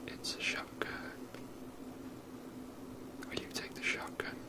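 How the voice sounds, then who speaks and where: Someone whispering thru a game playthrough, breathy asmr, gentle and rambly. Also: takes it slowly. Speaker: video creator playing and commenting on a game. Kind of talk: whispered ASMR gameplay commentary.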